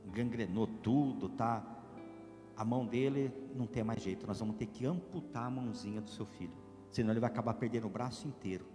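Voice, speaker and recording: Priest doing a blunt doctor, low and serious, echoey church, faint guitar. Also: male voice, fairly quick, natural voice. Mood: grave. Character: blunt, grave doctor giving bad news.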